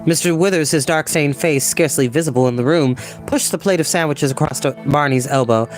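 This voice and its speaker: A man reading a children's novel aloud as narrator, in an expressive storytelling style. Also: on the high side, a little fast, faint music behind.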